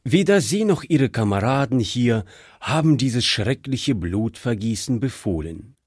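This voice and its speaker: A man's voice: mid-range voice, animated, a little slow, a little mellow, slightly rough, no echo, studio quality. A man voicing a middle-aged pastor from Alsace who speaks earnestly and soothingly but is easily stirred. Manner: earnest, soothing, grows agitated.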